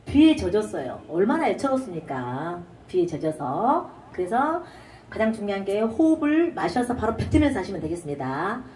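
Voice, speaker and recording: A woman teaches a trot singing lesson, explaining breathing and ornaments and singing short phrases as demonstrations, sometimes belting short shouts. Her mid-range voice is sing-song at a moderate pace, captured off-mic and far away in an echoey room.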